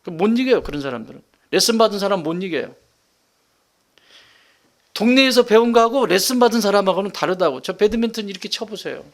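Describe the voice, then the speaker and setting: A middle-aged male pastor preaching an animated sermon, repeating his points and jumping between loud bursts and whispers. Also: high voice, fast. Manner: animated, repetitive, jumps between shouting and whispering.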